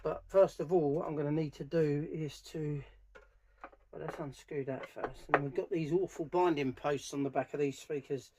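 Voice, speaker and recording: This is a middle-aged DIY speaker restorer making a how-to video, talking informally through the job and thinking aloud as his hands work. His voice sits on the high side, steady in tone, at a normal speed. Recorded clearly in a cramped, cluttered indoor workshop, the clip has background noise and the clicks of things being handled.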